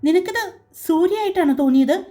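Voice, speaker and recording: A woman's voice: high voice, normal speed, mellow, faint music behind, natural voice. A woman voicing a tense young male detective in a storybook tale, asking urgent questions.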